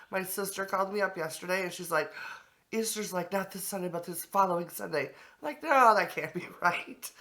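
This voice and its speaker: A woman's voice: fairly low pitch, fairly bright tone. A woman in her thirties or forties, stuffy and congested from allergies, chatting casually and gushing over her thrift finds in her kitchen. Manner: gushing, enthusiastic, many fillers. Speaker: thrift haul vlogger. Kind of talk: casual chatty show-and-tell. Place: home kitchen.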